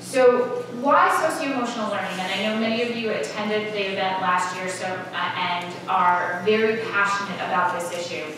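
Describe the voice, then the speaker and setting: A woman speaks at a moderate pace with a medium pitch and ordinary pitch variation. Noticeable background noise and strong room echo surround her voice. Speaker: panel moderator and education researcher. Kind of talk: panel discussion. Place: meeting room.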